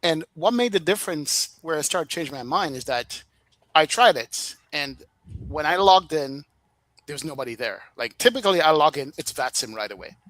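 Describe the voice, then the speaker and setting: A man with a Jamaican accent, a flight sim streamer telling a lively story in a casual podcast chat, laughing often. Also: on the high side, normal speed, no room sound, low-quality recording.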